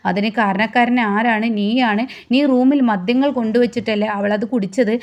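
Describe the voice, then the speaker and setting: A woman's voice: fairly high pitch, fairly even intonation, highs cut off, close to an everyday voice. Woman doing a stern elderly father. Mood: reproachful. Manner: slow, reproachful scolding.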